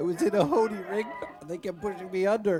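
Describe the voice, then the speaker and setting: A whiny put-on character voice in a whiny tone rattles along at a very fast pace on a middle pitch. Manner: mock sobbing, whiny.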